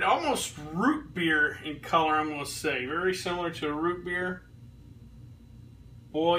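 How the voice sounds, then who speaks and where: A home brewer in his thirties reviews beer in a casual vlog, tasting in his home kitchen. His fairly high, bright voice rambles with many ums and restarts, and a fixed camera mic a few feet away makes him sound a bit distant, with a little hiss or hum.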